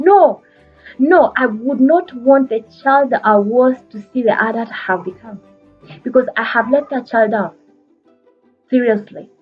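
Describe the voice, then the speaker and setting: A woman's voice: medium pitch, husky, dull audio. A Kenyan woman and life coach giving a motivational talk. She speaks earnestly, repeats phrases for emphasis and uses frequent fillers.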